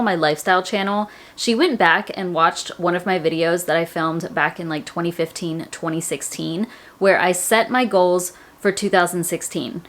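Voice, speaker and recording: Chatty thirty-something woman, bit of a twang, lower voice, rambles with lots of "like"s, talking to her channel. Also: fairly bright tone. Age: 30s. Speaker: personal finance YouTuber. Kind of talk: casual chat to camera.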